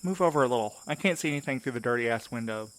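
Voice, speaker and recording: A man's voice: medium pitch, lively intonation, fast talker, a bit bright, natural voice. A man playing a wary, sarcastic night courier in an audio drama, with a wry, informal way of talking. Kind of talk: naturalistic audio drama acting.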